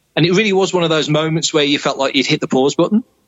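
A man speaks with a British accent. His pitch variation is ordinary. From UK. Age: 50s. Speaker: Star Wars news site creator and writer. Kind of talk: casual interview chat.

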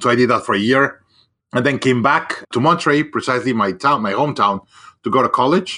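A man with a Spanish accent speaks fairly quickly at a medium pitch in a bright, sharp tone. His pitch varies in an ordinary way against a quiet background. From Mexico (Mexico City). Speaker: entrepreneur and business coach. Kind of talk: interview. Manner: halting, with repetitions and fillers.

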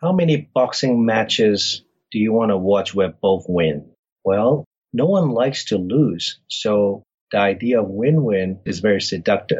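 The speech moves at a fairly slow pace with lively intonation. Loudness stays very even throughout. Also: man, medium pitch for a man. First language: not English. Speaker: negotiation coach. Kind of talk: interview.

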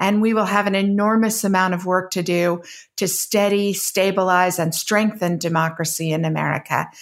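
A woman with a plain, everyday voice, ordinary pitch variation and a moderate pace, in a very clean recording with a silent background. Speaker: policy expert and debater. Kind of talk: formal debate.

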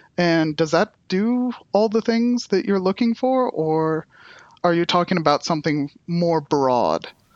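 In an American accent, a man speaks at a high pitch and fairly slow pace with lively intonation and very even loudness, the sound dry and close with no echo over a quiet background. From United States. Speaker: podcast host, software developer. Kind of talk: technical podcast interview.

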